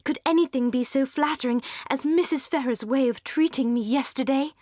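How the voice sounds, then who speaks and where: Gushing young schemer, played by a female narrator: breathy, insinuating, falsely sweet, period-novel audiobook, close dry sound. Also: sits high, brisk, a little mellow, dry recording, pitched above the performer's own voice, close to an everyday voice. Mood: gushing, triumphant.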